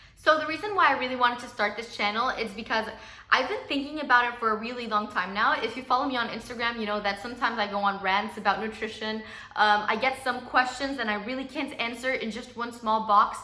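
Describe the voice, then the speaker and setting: The speech comes at a very fast pace with fairly even intonation. Audible room echo surrounds it. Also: woman, fairly high pitch for a woman. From Costa Rica. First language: Spanish. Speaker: nutritionist. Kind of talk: vlog talking to camera.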